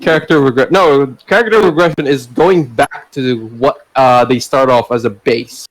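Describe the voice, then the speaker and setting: A man's voice: mid-range voice, normal speed, poor audio. A man hosting a podcast in a casual group chat, joking in a crude, exaggerated way. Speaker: podcast host and reader.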